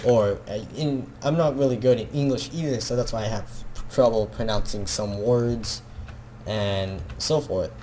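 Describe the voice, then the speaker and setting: Speaking a little slowly in a dark, low-ish voice, a Filipino-accented teenager who creates gaming videos rambles self-consciously on camera. Fillers and restarts fill the casual video, and a little hiss or hum can be heard.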